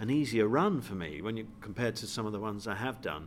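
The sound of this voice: Here the pace is fairly quick. The man's pitch is fairly low.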